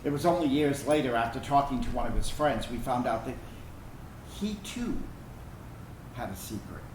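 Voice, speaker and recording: A man acting in a staged reading as a reflective, wounded but tender gay son of a military family, telling a personal story earnestly and haltingly. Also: mid-range voice, lively intonation, a little mellow, natural voice. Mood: somber. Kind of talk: dramatic monologue reading of a personal narrative. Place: indoor room, staged reading. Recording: echoey room, distant mic, background noise.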